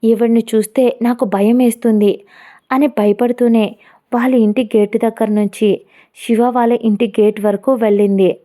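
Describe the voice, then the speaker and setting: A woman narrating a dramatic love story, with expressive, halting, suspenseful phrasing. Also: a little high.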